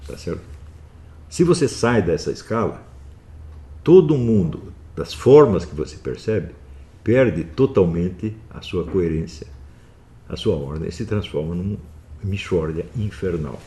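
Deep-voiced man lecturing forcefully. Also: measured pace. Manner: forceful, scolding bursts between calm explaining. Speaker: philosophy teacher. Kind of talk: recorded online lecture.

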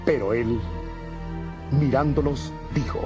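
A man narrating a dramatized audio Bible from a script in a husky, mellow voice. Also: mid-range voice, slow pace. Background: music.

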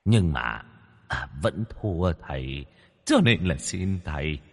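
Wheezing starved ghost, slow and sneering, very deep, put on by a male storyteller. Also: lively intonation, gravelly, big-room sound, exaggerated voice. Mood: boastful. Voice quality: wheezing, whispery. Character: starving ghost of a man, groveling then menacing.

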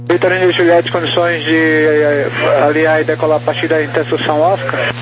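Flat, noisy-radio Brazilian male tower controller. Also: fairly high pitch, brisk. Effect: aviation radio. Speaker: tower air traffic controller. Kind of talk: routine radio clearances. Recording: noisy humming aviation radio.

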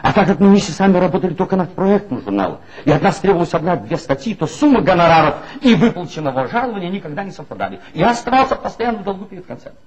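An actor playing a bitter, ironic former magazine writer in a 1960s radio play, speaking in a measured, wry way. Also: male voice, sits high, sing-song, husky, full character voice. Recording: dull old 1960s radio recording with faint hiss.

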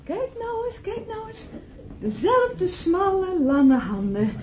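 High, swooping, excitable woman. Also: takes it slowly, exaggerated voice. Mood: rapturous. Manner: insistent, gushing. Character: excitable, pleading, theatrical woman party guest. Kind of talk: Dutch radio play acting. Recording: dull old radio recording, crowd chatter.

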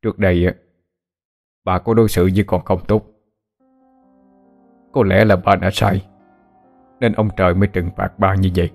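A man playing a grieving, remorseful father who speaks in a hushed, confiding way. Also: deep voice, level tone, normal speed, vocal fry, pauses often, faint music behind.

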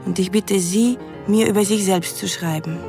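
A woman's voice: medium pitch, moderate pace, vocal fry, natural voice. Earnest young woman played by an actress, over music. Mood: hopeful, pleading. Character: earnest young Russian woman writing lovelorn emails. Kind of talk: radio drama, reading out letters.

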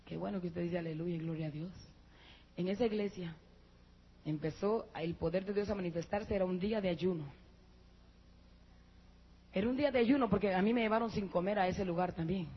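A woman giving an emotional church testimony, speaking to listeners as brothers and rising to high, excited peaks. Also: a little fast, long pauses, a little hiss or hum. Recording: muffled lo-fi church recording.

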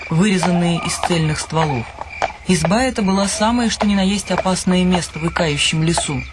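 A man's voice: sits high, background noise. A man delivering dramatic, scripted narration as the storyteller of a radio play. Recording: music behind the voice.

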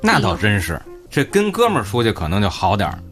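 A man's voice: lowish voice, huge pitch swings, fast talker, fairly bright tone. A man chatting casually and jokingly as a radio panellist. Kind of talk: casual chat. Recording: faint music behind the voice. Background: faint music.

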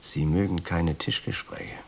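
Radio play role: insistent, calculating rich jeweler, low gravelly voice, quietly threatening. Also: male voice, lively intonation, unhurried, slight background noise, exaggerated voice. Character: insistent, menacing wealthy male jeweler with a pistol. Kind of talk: radio drama acting.

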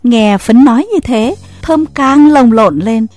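A woman narrating a story in an expressive, scripted way. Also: a little high, takes it slowly, no room sound.

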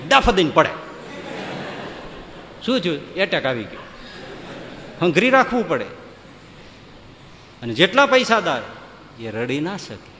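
A man spins a humorous devotional story in a lively, folksy, chatty way. His voice sits a little high and carries a long hall reverb. A faint hum of ambience runs beneath him. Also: a little slow, long pauses. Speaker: folk storyteller.

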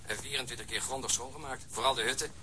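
Sharp, bright-voiced police colleague. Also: male voice, medium pitch, steady tone, fast talker, a little hiss or hum. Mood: businesslike. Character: businesslike, questioning male police colleague reporting findings. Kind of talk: conversational radio crime drama acting.

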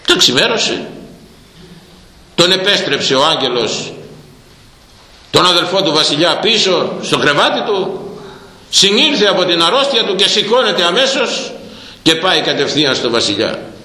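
A man preaching a storytelling sermon, telling a tale in a lively way and acting out the characters. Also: high voice, pauses often. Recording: echoey hall with long reverb.

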